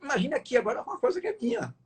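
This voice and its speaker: A man's voice: very high voice, sing-song, quick pace, husky. A middle-aged man hosting a casual live interview, rambling with fillers and restarts and turning indignant at times. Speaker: host of a live sports interview.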